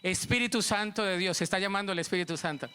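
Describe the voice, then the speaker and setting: Colombian guy preaching, high bright voice, animated storytelling in church. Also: quick pace, clear, resonant tone. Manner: storytelling, acting out dialogue, animated. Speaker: pastor. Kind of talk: sermon.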